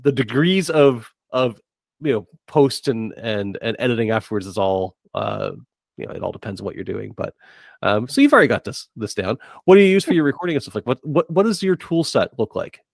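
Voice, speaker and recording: A man with a medium-pitched voice hosts a casual interview. He is chatty and teasing, and repeats the starts of his phrases as he goes. The recording is close and dry, free of room echo. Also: sing-song, brisk, gravelly. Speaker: podcast host, interviewer.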